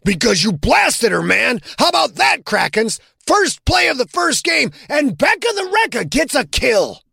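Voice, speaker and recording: A man voicing a rowdy male football player in an audiobook, loud and cheering. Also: very high-pitched, sing-song, a little slow, vocal fry, slightly rough, no room sound, clean studio sound, voice pushed up, full character voice. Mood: exultant.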